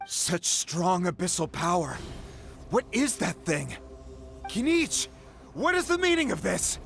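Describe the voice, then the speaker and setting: Earnest, high-voiced tribal chief. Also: male voice, wildly swooping pitch, unhurried, gravelly, a bit bright, faint music behind, full character voice. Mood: suspicious. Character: dignified, anxious tribal chief. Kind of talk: video game voice acting.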